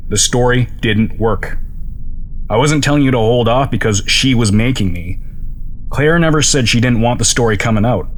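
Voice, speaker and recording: A man's voice: mid-range voice, moderate pace, slight background noise, natural voice. An actor playing a guarded, world-weary male journalist in a naturalistic audio drama, terse, accusing and given to swearing. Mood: defensive.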